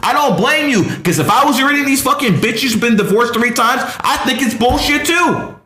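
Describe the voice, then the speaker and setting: Raised and projected, a man's extremely high voice runs at a fairly quick pace with hardly any pauses, very even loudness and ordinary pitch variation, in a room with audible echo. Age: 40s. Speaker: numerology teacher. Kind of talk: casual chat. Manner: animated.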